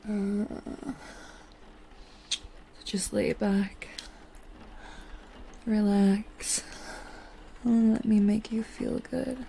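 Slow, gravelly-voiced woman whispering softly. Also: medium pitch, a little hiss or hum. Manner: soft, seductive, teasing whisper. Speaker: audio roleplay performer. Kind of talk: intimate whispered audio roleplay.

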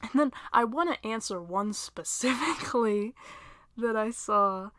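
Young woman doing a chill listener q&a, talks slow, keeps laughing at herself, goes all whispery sometimes, dry mic. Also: on the high side, animated, no echo.

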